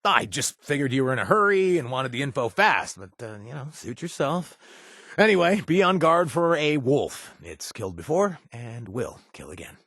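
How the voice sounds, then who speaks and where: A man's voice: mid-range voice, sing-song, normal speed, a bit bright, no room sound, studio quality. An actor playing a chatty, jittery man handing out jobs in a video game, rambling with joking asides and squeamish about bugs. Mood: offhand briefing. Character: jittery, wisecracking male wasteland quest-giver, squeamish. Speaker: companion character in a video game. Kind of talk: studio game voice acting.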